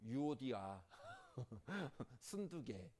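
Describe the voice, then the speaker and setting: A man preaching a sermon as a pastor, animated, turning from loud scolding to soft asides and asking the congregation questions. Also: mid-range voice, extremely slow, slightly rough. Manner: asks the congregation questions and jokes with them.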